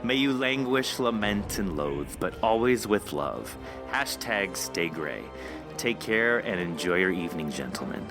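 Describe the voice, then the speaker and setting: Male podcast host, low-ish voice, lively and playful, music bed underneath. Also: measured pace. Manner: chatty, playful, upbeat. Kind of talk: casual podcast interview.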